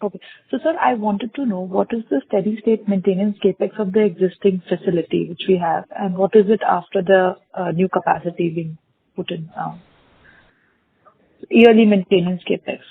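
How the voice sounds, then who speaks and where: A woman, an analyst asking soft-spoken, polite questions on an earnings call. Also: medium pitch, normal speed, vocal fry, husky, dry recording. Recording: phone-line conference call audio.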